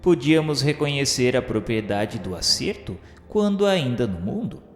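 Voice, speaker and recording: An actor playing an earnest spirit pupil who recounts a journey in formal, literary radio drama narration. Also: male voice, mid-range voice, very animated, normal speed, natural voice. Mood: sombre, descriptive. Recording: echoey hall reverb, music behind.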